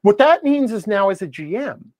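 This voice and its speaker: Animated, emphatic man explaining his opinion. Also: sits high, normal speed, no room sound, clean studio sound. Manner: emphatic, checks in with "okay" and "right". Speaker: podcast guest, game design commentator.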